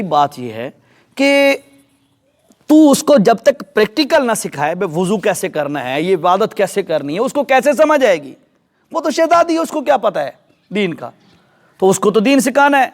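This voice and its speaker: A man preaches in a mosque, telling a story with lively, animated delivery. His voice sits high for a man. He often turns to ask his listeners whether they follow. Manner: animated storyteller, addresses audience directly. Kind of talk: sermon storytelling.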